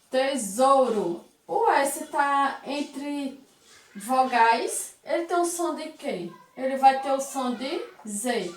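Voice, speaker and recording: A woman's voice: sits high, roomy sound. A woman teacher giving a recorded lesson to children, talking affectionately, asking questions back and sounding out words one by one.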